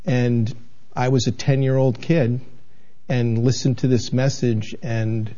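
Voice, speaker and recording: A man in his sixties from New England tells his story in an earnest, meandering way, stopping to restart his sentences. His voice is mellow and dark. The recording sounds a little dull and muffled. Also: mid-range voice, fairly even intonation, slow. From New England, United States. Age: 60s. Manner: earnest, rambling, with many restarts and fillers. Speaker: television station manager, guest. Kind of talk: candid interview conversation.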